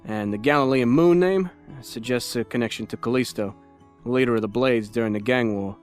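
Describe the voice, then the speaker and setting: A man's voice: mid-range voice, normal speed, clear, resonant tone, soft background music, natural voice. An actor playing a thoughtful male police detective in an audio drama, earnest and deliberating as he speaks. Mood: pondering.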